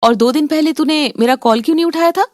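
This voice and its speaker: A woman's voice: high voice, quick pace, a little mellow, a little hiss or hum, voice pushed up, natural voice. Brief: jealous cartoon mother, woman voice, taunting and sulky. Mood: reproachful. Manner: taunting, reproachful.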